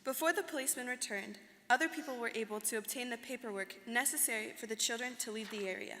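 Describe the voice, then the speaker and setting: A bright, fairly high-voiced young woman acting as an earnest alumna recounting her life. She delivers a scripted stage reading in a measured way, with the long reverb of a hall around her. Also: slight background noise. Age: young adult. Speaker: student performer in a dramatic reading. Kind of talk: scripted first-person dramatic reading. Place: large hall.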